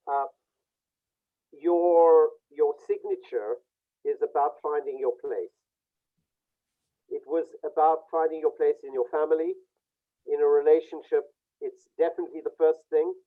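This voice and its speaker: A man with a slightly high voice talks someone through a face reading on a video call. He speaks reflectively, pausing often. The sound is thin and phone-like. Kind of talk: online group session. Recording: tinny phone-like call audio.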